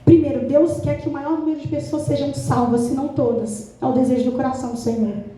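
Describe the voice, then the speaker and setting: A woman with a Brazilian Portuguese accent preaching a sermon in a church, lively and acting out her own talks with God. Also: high voice, fast talker. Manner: animated, acts out her own dialogues with God. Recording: echoey church hall from far off.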